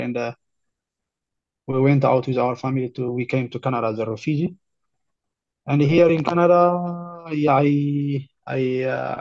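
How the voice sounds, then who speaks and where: A young man with an Ethiopian accent talking casually and haltingly about himself, often repeating his words. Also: fairly high pitch, mellow. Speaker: career guidance client, refugee newcomer. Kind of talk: casual conversation, introducing himself. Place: remote online call. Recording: muffled lo-fi online call.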